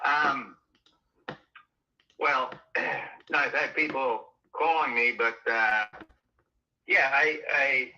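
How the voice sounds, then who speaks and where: Over a tinny phone line, a man selling his house speaks hesitantly, full of fillers and restarts. His mid-range voice is pushed and bright, and he talks very slowly with long pauses, with slight background noise audible.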